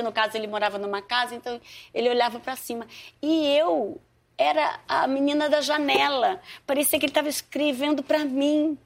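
A stage actress chatting in an interview, telling stories with lots of life and acting out quotes. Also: female voice, on the high side. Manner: lively storytelling, acts out quotes. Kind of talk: casual interview chat.

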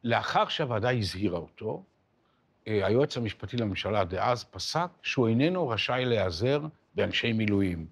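Husky older man telling measured anecdotes. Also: on the low side, expressive. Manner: measured, anecdotal, quotes others in his own voice. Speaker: interviewee, lawyer. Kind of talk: storytelling in an interview.

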